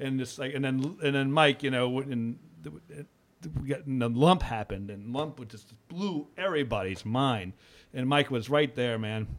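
A normal speaking voice from a man, medium in pitch, fairly slow in pace, with lively intonation. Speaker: band member. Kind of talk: casual chat.

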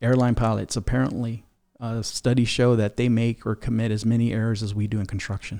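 In a very clean recording with a silent background, a man with an American accent speaks at a fairly quick pace and medium pitch. His tone is dark and mellow, his intonation monotone and flat. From US South, Atlanta area, Georgia. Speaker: construction safety professional. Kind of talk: interview conversation. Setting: dining room.

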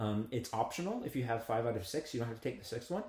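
A man's somewhat breathy voice at medium pitch comes through with audible room echo. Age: 20s. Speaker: podcast co-host. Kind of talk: casual chat.

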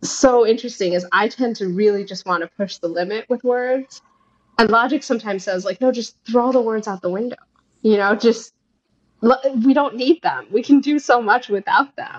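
A woman with an ordinary speaking voice, fairly high in pitch, with ordinary pitch variation at a moderate pace, in a dry, close sound with no echo.

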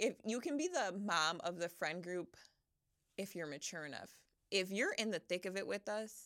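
An animated tone with lively intonation at a moderate pace. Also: woman, medium pitch for a woman. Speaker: podcast co-host. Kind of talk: casual chat. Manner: loud, animated.

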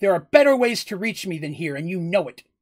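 The speaker uses a put-on character voice with very wide pitch swings. Delivery is very fast. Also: man, high pitch for a man. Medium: read story. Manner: stern, grave.

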